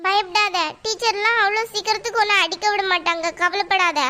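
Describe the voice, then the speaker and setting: A woman's voice: extremely high pitch, steady tone, fairly quick, crowd noise. A woman voicing a chatty, loyal little schoolgirl in a cartoon, talking eagerly. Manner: eager, tattling. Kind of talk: cartoon voice acting.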